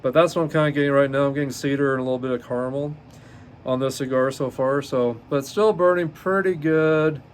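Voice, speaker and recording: A middle-pitched man in his fifties hosts a casual solo podcast and reads his notes aloud. He hesitates often, fills gaps with ums and uhs, and corrects himself as he goes. A faint hiss of noise sits behind his voice. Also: fairly even intonation. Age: 50s. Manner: halting, many ums and uhs, self-correcting. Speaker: podcast host.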